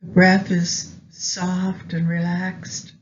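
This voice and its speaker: A woman narrating a guided meditation in a gentle, soothing, unhurried manner with long pauses. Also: on the low side, monotone. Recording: dull lo-fi audio with background noise.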